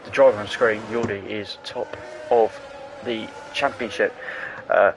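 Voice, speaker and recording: A man doing casual, jokey commentary on an online racing league, full of quick asides. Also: lowish voice, fairly even intonation, a little hiss or hum, poor audio. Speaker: race commentator.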